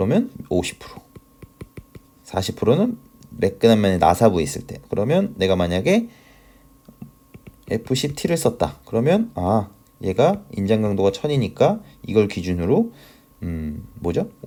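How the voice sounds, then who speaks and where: A man speaks at a fairly slow pace, with long, frequent pauses. His pitch swings very widely and his loudness swings a lot. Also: fairly low pitch for a man. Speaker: structural engineering instructor. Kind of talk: lecture. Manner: conversational, frequent rhetorical questions.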